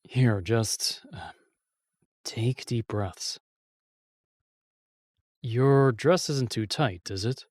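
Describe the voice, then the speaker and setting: Man acting a brusque, reluctant knight, slow and close. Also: medium pitch, a little mellow, no echo. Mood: concerned, soothing. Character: reluctant, brusque royal knight with a guarded kindness. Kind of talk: intimate fantasy audio roleplay acting.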